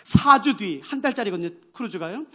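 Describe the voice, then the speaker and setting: A man's voice: high voice, animated, a little fast, pushed and bright. A male pastor preaching a sermon, telling a story with great animation and acting out its characters' voices.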